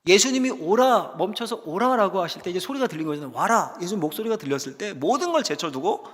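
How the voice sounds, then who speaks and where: Male pastor, high animated voice, dramatic sermon storytelling, long church reverb. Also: rapid-fire. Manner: dramatic storytelling with rhetorical questions; swings from loud cries to hushed emphasis. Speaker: senior pastor. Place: church sanctuary.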